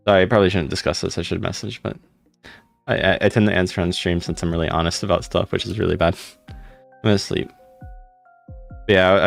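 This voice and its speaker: Young male streamer, deep gravelly voice, laid-back rambling chat, faint music behind. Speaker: live streamer. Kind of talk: casual live stream chat, reading comments.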